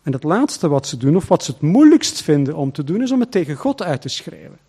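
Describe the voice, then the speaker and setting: A man preaching a sermon as pastor, emphatic and full of rhetorical questions, swinging between loud and hushed. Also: on the high side, very animated, fairly quick, breathy edge.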